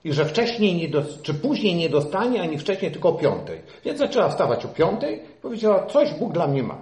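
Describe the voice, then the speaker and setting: Middle-aged male pastor, lively fairly high voice, emphatic preaching in a reverberant hall. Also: brisk. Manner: animated preaching, rising to emphatic peaks, dropping to quiet asides. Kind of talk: sermon.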